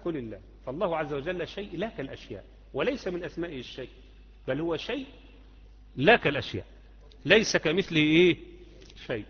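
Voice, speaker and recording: A man's voice: on the high side, a bit bright, breathy edge. A man with an Egyptian accent gives a live religious lesson, explaining points conversationally and putting questions to his students. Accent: Egyptian Arabic. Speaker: Islamic creed teacher. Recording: muffled audio with long hall reverb.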